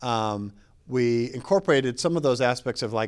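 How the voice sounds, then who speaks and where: A man with a plain, everyday voice speaks at a moderate pace and a medium pitch. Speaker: children's author and app creator. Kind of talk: lecture.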